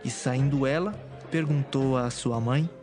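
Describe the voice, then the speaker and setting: A man's voice: mid-range voice, measured pace. A man giving solemn scripted narration as the narrator of a dramatized Bible. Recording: music behind.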